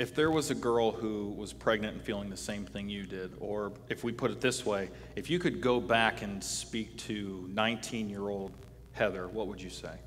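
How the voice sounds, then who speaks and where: A man with an ordinary speaking voice talks at a moderate pace, fairly low in pitch with ordinary pitch variation. Light background noise sits behind him. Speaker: pastor. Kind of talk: sermon. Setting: church. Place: church.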